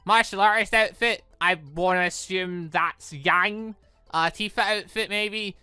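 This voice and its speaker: A man's voice: high-pitched, fairly even intonation, measured pace, pushed and bright, clear, resonant tone, no room sound, soft background music. A man giving casual, rambling commentary as he hosts a gaming playthrough, often interrupting himself. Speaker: gaming video host.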